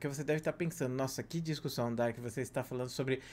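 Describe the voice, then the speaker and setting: A man talks in a Brazilian accent. His tone is animated, with ordinary pitch variation. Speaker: gaming YouTuber. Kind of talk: casual vlog commentary. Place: home room.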